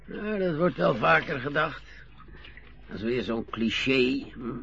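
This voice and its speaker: An older man with a Dutch accent, playing a retired merchant navy captain in a radio play, reminiscing slowly with a husky, chuckling voice. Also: mid-range voice, expressive, bright, forceful tone, dull audio, full character voice. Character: old retired sea captain, modest and a bit vain.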